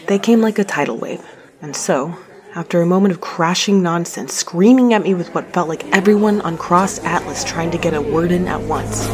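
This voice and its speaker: A woman's voice: on the low side, a little mellow, natural voice. A woman playing a frazzled, wry, stubborn space courier who narrates their own story conversationally in an audio drama. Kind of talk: audio drama acting and first-person narration.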